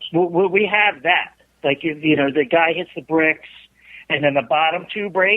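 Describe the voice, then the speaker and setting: A man in a New York accent, fairly high in pitch, with ordinary pitch variation. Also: moderate pace. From New York City, the Bronx. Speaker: martial arts instructor, event organizer. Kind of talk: interview. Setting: phone call.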